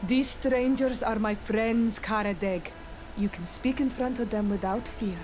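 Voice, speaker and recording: A woman's voice: fairly high pitch, unhurried, natural voice. An actress playing a proud, earnest young tribal woman in a fantasy game, with a firm way of speaking. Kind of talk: scripted game dialogue acting.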